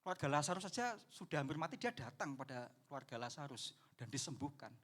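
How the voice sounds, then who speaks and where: This pastor talks fast, his high, lilting voice edged with breathiness as he preaches. Animated throughout, he acts out the figures in his story and refers to the congregation as "saudara."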